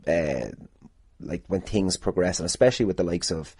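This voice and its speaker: A low-voiced Irish man talks casually on his own podcast, recorded close and dry. His tone is mellow and a bit rough, and he rambles along jokily, swearing freely as he answers questions. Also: normal speed, no room sound. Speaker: podcast host, pro wrestler.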